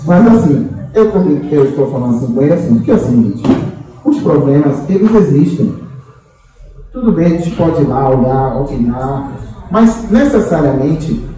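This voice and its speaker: A man's voice: on the high side, animated, moderate pace, warm tone. A man giving a chatty, teasing spiritual talk to a group, full of tag questions and fillers. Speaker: spiritual guide addressing a group. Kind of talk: informal spiritual talk to a meeting. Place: large echoey meeting hall. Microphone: distant room microphone. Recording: very echoey hall, voice from far off.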